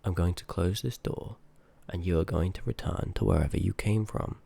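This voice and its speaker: A man's voice: low-pitched, moderate pace, vocal fry, dark tone, husky, heavily acted. A man voicing a rude, sarcastic, reluctant sorcerer of a haunted house in a scripted ASMR roleplay, grumbling and dismissive, close on the microphone. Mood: irritated.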